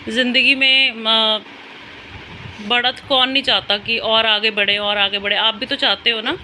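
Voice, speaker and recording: A woman's voice: a little high, fairly even intonation, unhurried, sharp tone. Chatty woman filming at home. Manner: chatty, coaxing and soothing toward her children. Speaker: mother and family vlogger. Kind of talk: casual home vlog talk. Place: home indoors at night. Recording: noisy home phone recording.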